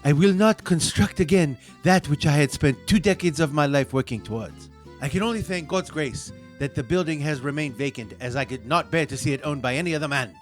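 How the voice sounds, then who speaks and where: A man's voice: on the high side, brisk, faint music behind, pitched above the performer's own voice, natural voice. A man putting on a heartbroken old Frenchman. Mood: bitter, longing. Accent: put-on French. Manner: dramatic, pleading letter reading. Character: heartbroken older French theater owner man, bitter.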